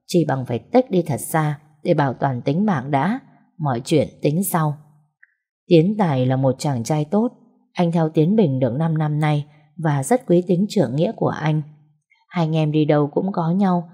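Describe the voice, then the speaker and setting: Low husky woman storyteller. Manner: steady, measured reading. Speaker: story narrator. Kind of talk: late-night storytelling narration.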